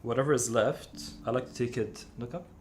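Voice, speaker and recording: A man working as a makeup artist, talking through a makeup routine in a relaxed, chatty way and correcting himself now and then. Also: medium pitch, slight background noise. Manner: relaxed, chatty, with quick self-corrections and light laughs.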